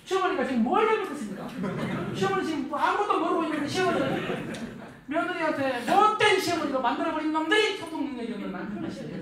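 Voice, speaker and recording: A middle-aged man giving a lively lecture to a live audience, acting out the spouses he quotes in a raised voice. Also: extremely high pitch. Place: lecture hall. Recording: echoey hall from far off, faint noise.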